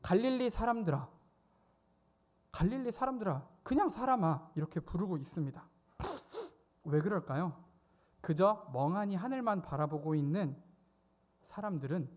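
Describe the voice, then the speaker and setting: A man preaching a youth service sermon, animated, often acting out quoted voices with sudden loud exclamations. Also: fairly high pitch. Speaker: youth pastor. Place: church service.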